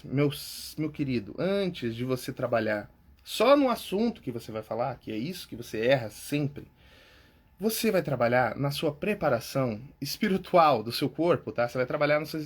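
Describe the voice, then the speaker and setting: A man's voice: fairly high pitch, very animated, normal speed, husky. A Brazilian man, a public speaking coach and podcast host, giving tips in a casual, informal way, often checking in with "tá?" and "cara". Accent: Brazilian Portuguese.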